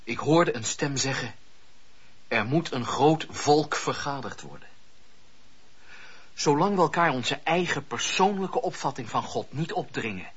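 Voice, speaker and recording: A man playing a fervent visionary preacher in a Dutch radio play, speaking solemnly and in measured, declamatory phrases with a husky voice. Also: medium pitch, a bit bright. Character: fervent, visionary male preacher of faith and miracles. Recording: dull, muffled old radio-play recording.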